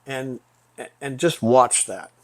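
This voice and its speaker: A man's voice: mid-range voice, expressive, slow pace. A man co-hosting a podcast in casual chat, chiming in with short agreements and often restarting his sentences. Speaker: podcast co-host.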